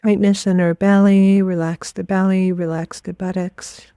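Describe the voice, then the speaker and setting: A woman leading a guided meditation as a teacher, giving gentle, unhurried instructions with pauses. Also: medium pitch, level tone, clear, resonant tone, no echo, clean studio sound.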